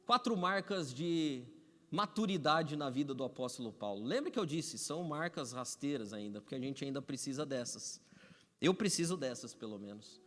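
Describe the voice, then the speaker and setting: A man's voice: fairly high pitch, fairly bright tone. A Brazilian man preaching a Sunday sermon as pastor, conversational and repetitive with touches of humor. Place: church sanctuary. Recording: echoey hall reverb.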